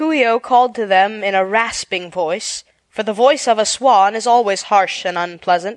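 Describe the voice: Over a quiet background, plain reading aloud and ordinary pitch variation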